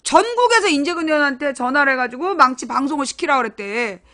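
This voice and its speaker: A woman's voice: sits high, animated, quick pace, sharp tone. A woman hosting a casual live internet broadcast, talking bluntly to her viewers, swearing freely and retelling stories with animation.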